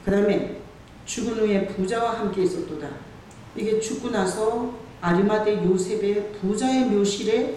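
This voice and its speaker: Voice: medium pitch, mellow. Pastor preaching hard in a big echoey church, mic way off, keeps asking the crowd questions. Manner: emphatic, asks the congregation rhetorical questions. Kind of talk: sermon. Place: church sanctuary. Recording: very echoey church hall, far from the mic, faint hiss.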